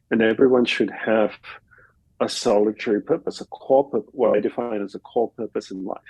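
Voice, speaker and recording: Guy from australia, warm husky voice, talks it through slow and reflective, dry sound. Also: medium pitch, no echo, poor audio. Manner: reflective, explains in plain step-by-step examples. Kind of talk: relaxed conversational interview answers. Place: home in Costa Rica.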